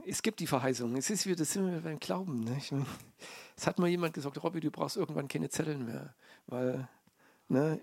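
A man's voice: fairly high pitch, creaky, a little mellow. A man preaching an informal sermon, chatty, with many fillers and restarts.

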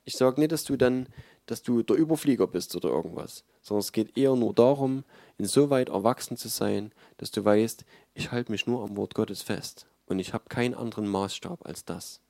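Male preacher, dark mellow tone, dry close sound, conversational and emphatic sermon delivery. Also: on the low side, normal speed, vocal fry, no room sound.

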